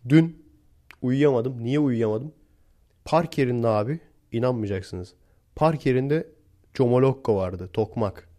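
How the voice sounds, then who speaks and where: A young Turkish man with a warm, mid-range voice tells stories to his viewers in a casual vlog monologue. He talks bluntly and in slang, chuckling between points.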